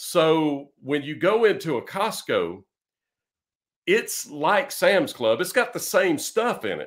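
Long, frequent pauses break up a man's very slow speech. He talks with a Southern US accent. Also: quiet background. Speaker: podcast co-host, hot tub serviceman. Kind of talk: casual chat. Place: home room.

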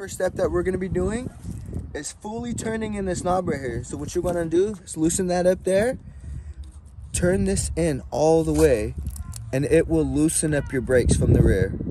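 A man talks in a dry sound with no echo. Background noise is noticeable. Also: moderate pace. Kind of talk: tutorial. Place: street. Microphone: phone near.

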